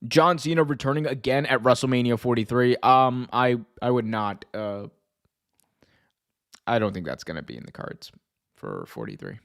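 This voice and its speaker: A man's voice: medium pitch, very animated, normal speed, gravelly, a bit bright. A man with a North American accent hosts a casual livestream, chatting with viewers in slangy, sweary language and often breaking into laughter. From United States. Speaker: wrestling show host and livestreamer. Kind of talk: casual livestream chat reacting to viewer comments.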